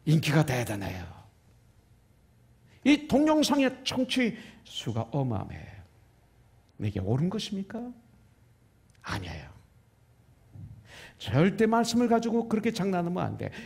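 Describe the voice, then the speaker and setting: A man's voice: high-pitched, wildly swooping pitch, measured pace, vocal fry, long pauses, darkish tone, slightly rough. A male pastor from Korea preaching a sermon emphatically, sometimes dropping to a whisper for stress. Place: church sanctuary.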